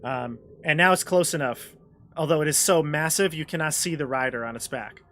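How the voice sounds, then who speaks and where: A man's voice: on the high side, fairly quick, a bit bright. A man working as game master, improvising tabletop game narration and often searching for his words.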